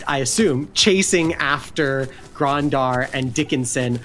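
A woman's voice: a bass voice, unhurried. A woman narrating a tabletop role-playing game as game master.

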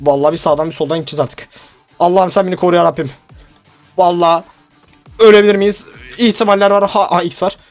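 Excitable young man commentating a shooter game. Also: sits high, fast, long pauses. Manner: excitable, joking, talks to teammates and viewers. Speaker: gaming YouTuber. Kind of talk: live mobile game commentary. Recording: game sounds and music behind.

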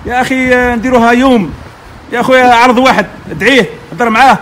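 A man's voice: extremely high pitch, fast, a bit bright, slight background noise. A middle-aged man from Algeria with an Algerian Arabic accent, giving heated, exhorting advice to his community in a vlog, talking outdoors near a street. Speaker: community vlogger. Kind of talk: impassioned advice monologue.

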